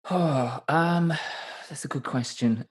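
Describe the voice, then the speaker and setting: A slightly rough, medium-pitched male voice speaks slowly. He's a Northern English man in his thirties, a podcast guest in a casual conversational interview, rambling loosely, hedging, correcting himself and restarting often.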